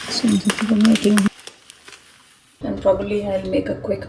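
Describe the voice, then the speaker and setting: A whisper moves along at a moderate pace while noticeable background noise fills the clip. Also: woman. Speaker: artist vlogger. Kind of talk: travel vlog. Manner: whispering.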